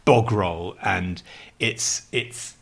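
A man's voice: sits low, drawn-out words, creaky, fairly bright tone, breathy edge. A man in his fifties who writes columns, chatting casually on a podcast in a rambling, sardonic and self-deprecating way. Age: 50s. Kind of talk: casual chat.

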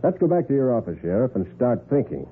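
An actor playing a confident, shrewd private detective, assured and direct, in a 1940s radio drama. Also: male voice, medium pitch, big pitch swings, fast talker, loud music behind the voice, natural voice. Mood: probing, intent. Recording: muffled, noisy 1940s radio recording.

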